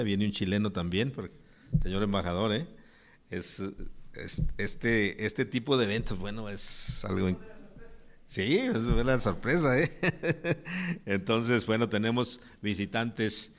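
A man with a Mexican accent hosting a press conference in an informal, somewhat hesitant way as he searches for words. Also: deep voice. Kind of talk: informal public presentation.

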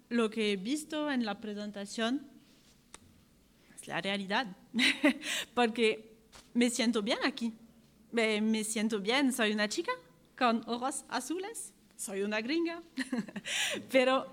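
Woman, French accent, native French speaker, high voice, very slow halting pace, informal athlete's speech. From France. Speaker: ultra-endurance athlete. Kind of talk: informal speech at a press conference.

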